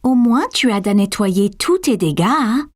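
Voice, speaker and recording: A woman's voice: medium pitch, expressive, measured pace, a little mellow. A woman voicing a kind, patient mother in a children's cartoon, soothing and encouraging.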